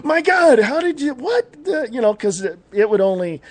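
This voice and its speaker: A man's voice: extremely high pitch, sing-song, moderate pace. A man in his fifties hosting a live talk show, chatting casually with many fillers and frequent laughs. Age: 50s. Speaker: podcast host. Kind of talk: casual chat.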